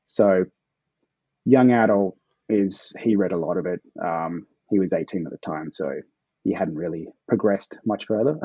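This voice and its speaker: A man's voice: deep voice, measured pace, warm tone, breathy edge, no room sound, muffled recording. An Australian man being interviewed as a guest author, answering in a laid-back way with frequent chuckles.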